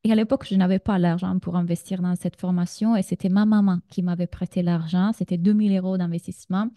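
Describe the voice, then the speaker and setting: Warm-voiced Italian woman coaching in French. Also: lowish voice, fairly even intonation, fast talker, no echo, clean studio sound. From Sardinia, Italy. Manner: chatty, speaks straight to her audience. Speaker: business coach. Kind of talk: live online masterclass.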